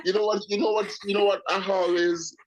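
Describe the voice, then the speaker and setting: A man's voice: sits high, little pitch movement, a little fast, low-quality recording. A Jamaican man with a partly British accent, calling in to a radio show and chatting casually with opinions and stammering restarts. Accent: Jamaican with British mix. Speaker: caller. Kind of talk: casual call-in chat. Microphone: phone line.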